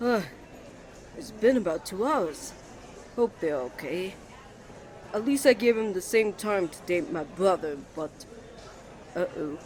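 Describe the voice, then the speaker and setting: A man's voice: high voice, expressive, unhurried, pauses often, a little mellow. A man playing a jealous, flustered young student, a protective twin brother with a dramatic manner, in an ASMR romance roleplay. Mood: anxious. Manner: indignant, dramatic, stammering when flustered.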